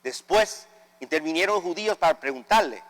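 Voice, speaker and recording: A man serving as priest, reading the Gospel at Mass in a measured, solemn way. His voice carries a cathedral echo. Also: fairly high pitch, animated, fairly bright tone. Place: large church. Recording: cathedral echo with long reverb.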